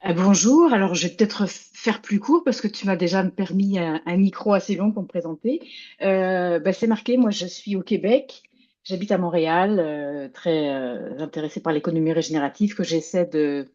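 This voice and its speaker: A woman's voice: on the low side, moderate pace, mellow, dull audio. A woman speaking informally as a workshop participant on a video call, searching for words and restarting phrases. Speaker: workshop participant, small business advisor. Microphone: video call microphone.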